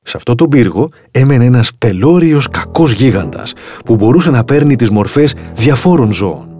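Male storybook narrator, expressive delivery, faint music under him. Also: medium pitch. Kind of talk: storybook reading.

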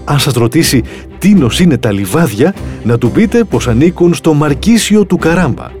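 A man's voice: sing-song, darkish tone, faint music behind. A man doing a sly scheming storybook cat. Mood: pleading. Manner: pleading, eager, higher than his narration. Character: sly clever male cat in boots. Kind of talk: storybook reading.

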